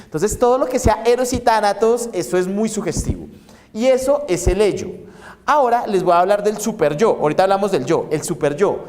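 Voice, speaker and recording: A man's voice: high-pitched, expressive, fairly quick, darkish tone. A man giving a university psychology lecture, acting out inner voices and asking rhetorical questions. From Colombia. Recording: reverberant hall recording.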